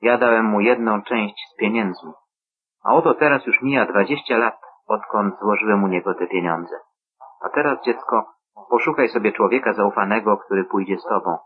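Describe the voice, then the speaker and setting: A man reading the part of a devout old blind father in a measured, solemn scripture reading, on a tinny phone-like line. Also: on the low side, natural voice. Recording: tinny phone-like radio sound.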